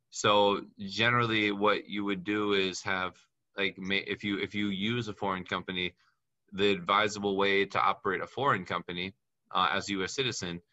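An American man from Miami, hosting a video call consultation and explaining tax rules casually with quick asides. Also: low-pitched, bright, forceful tone, muffled recording. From United States. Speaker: tax advisor host.

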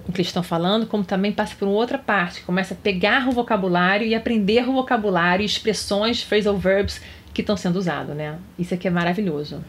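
A woman's voice: mid-range voice, fast talker, few pauses. A woman hosting a podcast interview, summing up points and asking her guest questions. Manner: guiding, sums up and asks questions. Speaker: podcast host, teacher.

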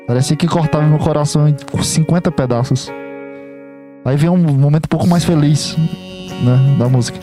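A man's voice: on the high side, moderate pace, over music. Emotional, rambling man. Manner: emotional, rambling, self-deprecating, with frequent restarts. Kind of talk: casual reaction vlog.

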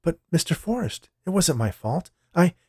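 A man's voice: on the high side, sing-song, normal speed, darkish tone, breathy edge, dry recording, clean studio sound, voice pushed up. Man voicing a timid, pleading woman employee. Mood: pleading, anxious. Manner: apologetic, pleading.

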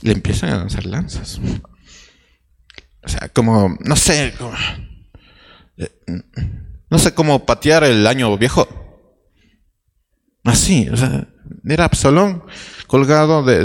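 A man's voice: fairly low pitch, darkish tone, long reverb tail. A man preaching a sermon, telling a Bible story with restarts and rhetorical questions.

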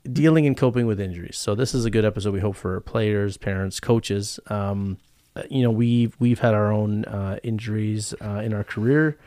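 A man's voice: on the low side, moderate pace, mellow, no room sound, clean studio sound. A man in his forties hosting a casual podcast in a rambling, jokey, self-deprecating way. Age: 40s. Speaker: podcast host. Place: podcast studio.

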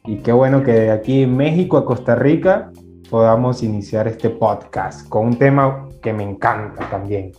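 A man with a Venezuelan accent touched by Mexican, a podcast guest who tells stories lively and acts out what others said. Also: mid-range voice, normal speed, soft background music. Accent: Venezuelan with some Mexican. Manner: lively storyteller, acts out quotes, laughs. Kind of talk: casual podcast conversation. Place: at home in Mexico. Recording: dull, roomy remote call audio.

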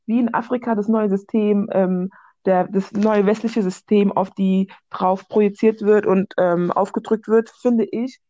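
A woman talking casually about her own views, often halting and searching for the right words. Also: medium pitch, fairly even intonation, mellow, no room sound, muffled recording. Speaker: discussion participant. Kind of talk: casual personal discussion.

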